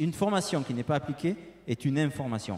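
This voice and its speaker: This voice has a dark, mellow tone and ordinary pitch variation, moving at a fairly quick pace. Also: man. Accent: Toulouse. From southern France, Toulouse. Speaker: industrial equipment sales manager, conference speaker. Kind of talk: conference presentation. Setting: trade show conference room with audience. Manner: hesitant, many repetitions and fillers.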